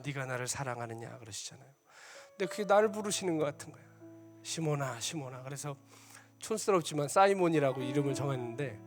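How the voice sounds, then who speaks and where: Male missionary preacher, slightly high voice, animated storytelling sermon, quiet instrumental bed. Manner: animated, acts out quoted voices, drops to a soft hush. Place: church sanctuary. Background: soft instrumental music.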